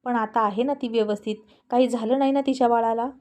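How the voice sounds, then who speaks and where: A woman's voice: a little high, fairly even intonation, fast talker, mellow, lightly acted. A woman voicing a curt, stern male police officer in a spoken story, with terse, clipped lines.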